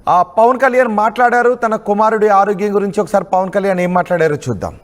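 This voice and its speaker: A man's voice: high-pitched, fast, big-room sound. A man with a Telugu accent presenting the news in a scripted narration style.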